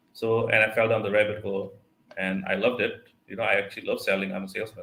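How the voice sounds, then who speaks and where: With a non-native accent, a man talks at a very fast pace, his loudness swinging widely. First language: not English. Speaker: freelance copywriter. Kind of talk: casual interview chat. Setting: livestream video call.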